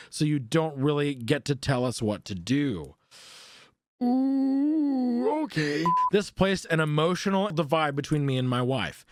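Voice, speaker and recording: Animated male streamer reading posts aloud. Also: fairly high pitch, no echo, studio quality. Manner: animated, swears and laughs between readings.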